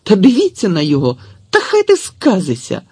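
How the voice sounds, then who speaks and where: A man voicing a quick-tempered peasant woman who scolds in sharp exclamations. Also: sits high, huge pitch swings, slightly rough, dry recording, clean studio sound, voice pushed up, full character voice. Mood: alarmed scolding.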